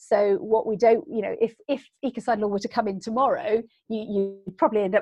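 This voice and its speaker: Very fast speech in a southern English accent comes across dry and close with no echo. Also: woman. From England, Gloucestershire (Cotswolds). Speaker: environmental campaigner. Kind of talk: interview.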